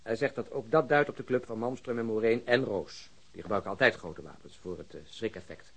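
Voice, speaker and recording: A man's voice: on the low side, fairly quick, creaky, fairly bright tone, husky, full character voice. Matter-of-fact male police detective. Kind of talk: Dutch radio crime drama dialogue.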